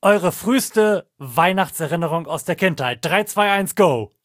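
A woman's voice: fairly low pitch, animated, a little slow. A woman hosting a casual podcast chat, leading the talk in a playful way. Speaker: podcast host.

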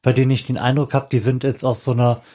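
Male podcast host, medium pitch, wry and wordy in casual chat. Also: level tone, fast, warm tone. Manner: wordy, ironically elaborate phrasing.

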